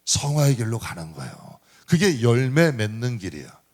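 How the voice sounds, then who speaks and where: A middle-aged male pastor gives a sermon in a church, his voice at an ordinary middle pitch for a man. He keeps it lively and swinging, rising and falling as he throws rhetorical questions to the congregation. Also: moderate pace. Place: church sanctuary.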